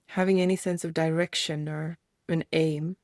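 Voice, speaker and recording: A woman leading a guided meditation, speaking gently in soft invitations with reflective pauses. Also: deep voice, flat delivery, no room sound, clean studio sound.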